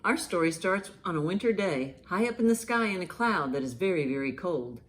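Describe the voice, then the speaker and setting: A woman hosting a children's storytime, reading and explaining in simple, expressive language meant for young listeners. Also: fairly low pitch, brisk. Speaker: children's librarian, storytime host. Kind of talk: children's storytime, reading a picture book aloud and commenting.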